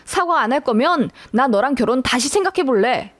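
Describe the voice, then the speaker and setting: A woman's voice: high-pitched, lively intonation, a little fast, no room sound. A woman voicing a defensive young fiancé who sides with his family.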